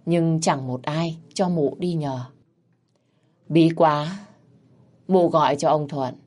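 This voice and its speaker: Woman storyteller, low voice, vivid mocking colloquial narration. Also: takes it slowly, dark tone.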